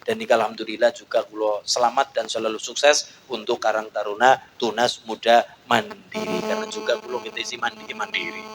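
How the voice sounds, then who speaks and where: Male Javanese preacher, bright, animated delivery, high bursts, faint background noise. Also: brisk, low-quality recording. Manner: animated, swings into high shouts, chanted Arabic prayers. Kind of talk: sermon with prayers and jokes.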